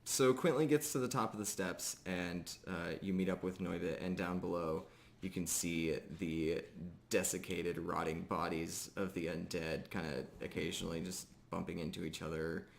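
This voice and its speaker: Low, creaky-voiced man running a game. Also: steady tone, moderate pace, slight background noise. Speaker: game master. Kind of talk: improvised tabletop game narration.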